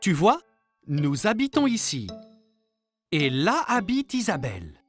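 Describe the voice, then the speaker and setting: A woman's voice: on the low side, big pitch swings, slow, faint music behind. A woman playing a patient, reassuring cartoon mother who explains things to a young child.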